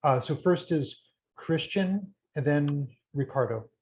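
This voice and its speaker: A man moderating a panel, calling on audience members in a brisk, organizing way. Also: a little high, darkish tone, poor audio.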